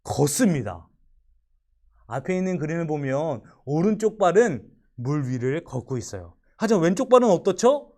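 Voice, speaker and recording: A man giving a children's sermon like a kindergarten teacher, telling stories in simple, expressive language for young listeners. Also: a little high, moderate pace. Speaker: children's Sunday school preacher.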